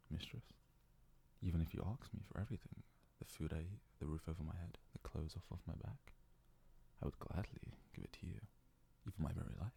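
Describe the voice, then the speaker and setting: Man voicing a deep, husky, fawning fox-boy servant. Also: warm tone, heavily acted. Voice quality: husky, gravelly, breathy, often dropping to a whisper. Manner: worshipful, obsequious, hesitant. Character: devoted young male yandere kitsune fox servant, fawning and self-abasing. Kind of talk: ASMR roleplay acting.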